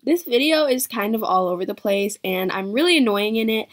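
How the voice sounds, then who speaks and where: A woman's voice: on the high side, expressive, fairly quick, a little hiss or hum. A teenage girl chatting casually to a close camera mic in her bedroom, rambling with lots of filler "like"s while sick with a cold and sore throat. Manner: rambling, heavy use of "like". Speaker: vlogger. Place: bedroom indoors. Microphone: camera mic close in front of speaker.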